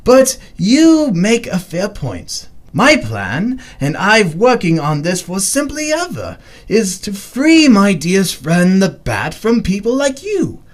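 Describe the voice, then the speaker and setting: Wildly swooping, deranged clown villain. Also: male voice, high voice, wildly swooping pitch, full character voice. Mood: gleeful menace. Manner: theatrical, sing-song, drawn-out, lurching from murmurs to shrieks. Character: gleefully deranged theatrical male clown villain, mock-affectionate. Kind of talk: audio drama acting.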